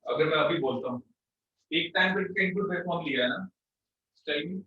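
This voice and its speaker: A man's voice: on the high side, normal speed, phone-quality sound. A man teaching a live online electronics class from a studio, his voice bathed in heavy echo and sounding far from the mic. He talks in a firm, blunt way. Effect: heavy echo, as if shouting in a canyon. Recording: echoey, distant studio mic with faint noise.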